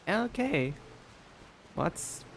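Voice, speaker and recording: A woman streamer giving casual live commentary on a game, reacting expressively and haltingly as she thinks aloud. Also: medium pitch, sing-song, vocal fry, slight background noise. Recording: game music behind the voice.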